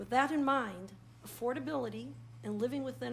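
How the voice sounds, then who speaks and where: At a moderate pace, a woman talks amid audible room echo. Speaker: resident at public comment. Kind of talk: prepared public comment. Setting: town meeting with microphone. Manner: soft-spoken.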